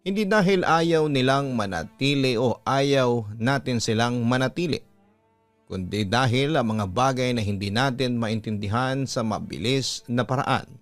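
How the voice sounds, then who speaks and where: A man's voice: mid-range voice, measured pace, no echo. A man with a Filipino accent, a radio-style host reading a listener's letter aloud as scripted dramatic narration. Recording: music bed behind voice. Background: background music.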